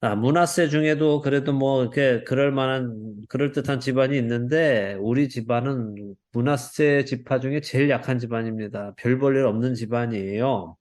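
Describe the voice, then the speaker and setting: A man's voice: medium pitch, moderate pace, hardly any pauses, a little mellow. A man leading a Bible study over a video call, asking the group questions and acting out the quoted lines. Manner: asks the group questions and acts out quoted speech.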